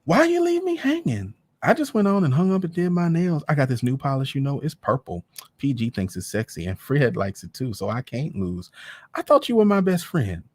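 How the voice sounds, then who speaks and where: A man reading a story, voicing a gossipy, flirtatious woman friend who rambles excitedly in a very high voice. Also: normal speed, dry recording.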